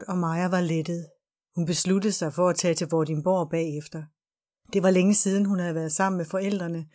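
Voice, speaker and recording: A woman reading a novel aloud as an audiobook narrator, calm and even. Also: fairly low pitch. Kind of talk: scripted narration.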